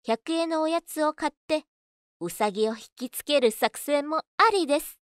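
A woman's voice: high voice, normal speed, no echo, studio quality. A woman reading scripted narration as a voice-over artist. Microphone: studio condenser microphone on boom arm.

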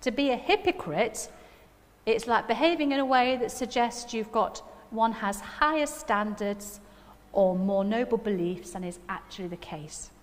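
A woman's voice: fairly high pitch, expressive, unhurried. Nottingham woman preaching in an echoey hall. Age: middle-aged. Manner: chatty, self-deprecating, with frequent tag questions. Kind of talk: informal sermon with personal anecdotes. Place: church hall stage at a lectern. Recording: echoey hall with long reverb.

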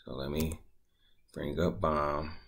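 A man casually talking through a screen-recorded tutorial at his computer, laid-back and thinking out loud as he goes. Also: rumbling low, flat delivery, slow pace, vocal fry, breathy edge. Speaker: crypto tutorial creator.

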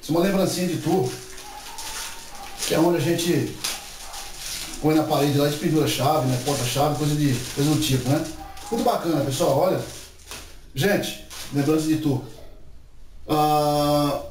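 A man's voice: on the high side, moderate pace, long pauses, background noise. Chatty man, echoey distant room. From Brazil. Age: 40s. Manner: chatty, animated gestures, many filler tags like "né" and "tá certo". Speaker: YouTube channel host. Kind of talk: casual vlog monologue to camera. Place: indoor room before a painted wall. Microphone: camera mic from a few meters away. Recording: echoey room, far from the mic.

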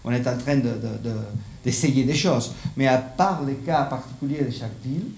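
This middle-aged man, Spanish-accented and not a native French speaker, gives a live conference lecture in a gravelly, slightly mellow, medium-pitched voice at a moderate pace. He hesitates often, reaching for words. Using a handheld microphone, he faces a seated audience in an echoey indoor lecture room with slight background noise.

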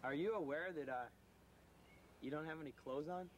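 Teen boy as frantic revenge-seeking kid, rambling, fairly high voice, noisy outdoor camcorder audio. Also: moderate pace, natural voice. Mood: excited. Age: teens. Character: panicked teen boy avenging murdered friends. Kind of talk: amateur school video acting. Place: woods outdoors. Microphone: camcorder mic. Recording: noisy old camcorder tape.

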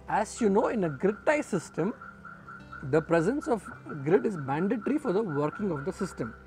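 A man's voice: high voice, darkish tone. A middle-aged man, a solar engineer, explaining equipment to camera in an earnest way, often repeating words for emphasis, recorded outdoors on a rooftop garden with a lapel mic.

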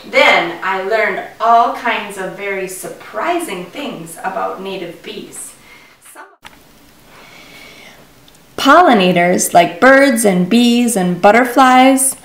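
A middle-aged woman speaks in a very echoey room, some way from the microphone. She introduces a children's lesson at a slow, measured pace. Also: medium pitch, lively intonation. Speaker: author and presenter of a children's puppet show. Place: living room at home, indoors. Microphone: far camera. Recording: echoey room, distant camera, faint noise.

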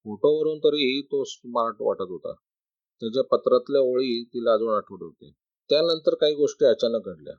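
A man tells a scripted story at an even pace. He reads every part himself and raises his voice a little for the women's dialogue. The recording is dry and a touch dull. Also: mid-range voice, no echo.

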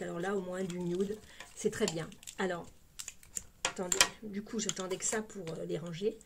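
A woman's voice: fairly low pitch, a little mellow, slight background noise. A woman with a Parisian French accent chatting casually through a makeup unboxing, exclamatory and full of little fillers. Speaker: beauty vlogger.

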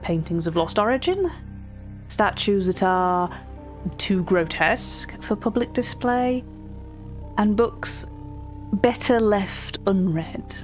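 A woman playing a formal, meticulous auction-house curator in an eerie audio drama, speaking in measured, sometimes hushed narration. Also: mid-range voice, animated. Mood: formal, grave. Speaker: voice actor in a fiction podcast. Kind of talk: scripted dramatic narration, dictated catalogue entries. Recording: music behind the voice.

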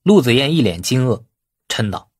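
A man's voice: mid-range voice, big pitch swings, normal speed, husky, no room sound, studio quality. A man reading a novel as a scripted, dramatic audiobook narration.

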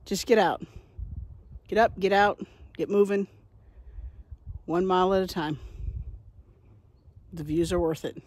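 A woman's voice: fairly low pitch, fairly even intonation, unhurried, pauses often, darkish tone, low-quality recording. A woman, chatting to a phone at arm's length while hiking a wooded mountain trail, upbeat and encouraging. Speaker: hiking vlogger. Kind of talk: casual vlog to camera. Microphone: phone held at arm's length.

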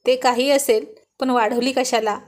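A woman's voice: on the high side, steady tone, moderate pace, close to an everyday voice. A woman reading a storybook, voicing a teasing, playful young husband in a bantering, mock-stern way.

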